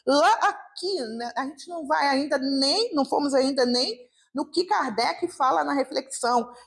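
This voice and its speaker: Woman speaker, gravelly voice. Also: sits high, unhurried. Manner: conversational, many fillers and rhetorical questions. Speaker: guest speaker at a spiritist meeting. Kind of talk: informal talk on a gospel reading. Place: meeting hall, live public gathering.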